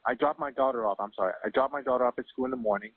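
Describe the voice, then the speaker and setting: A man making an emergency call over the phone, halting and flustered, repeating himself as he explains. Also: mid-range voice. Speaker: emergency caller, father. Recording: noisy, tinny phone line recording.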